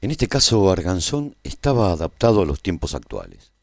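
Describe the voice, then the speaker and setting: A man playing a survivor who narrates a post-apocalyptic radio serial in the first person, in a measured, formal storytelling manner. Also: low-pitched, sing-song, gravelly, no room sound, clean studio sound, heavily acted. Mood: earnest, reflective. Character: male survivor recounting the rebuilding of a post-apocalyptic world.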